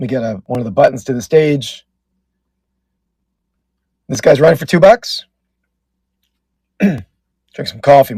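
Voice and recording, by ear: In a put-on character voice, a man speaks raspily at a fairly high pitch and a moderate pace with lively intonation, big swings in loudness and long, frequent pauses, the sound dry and close with no echo.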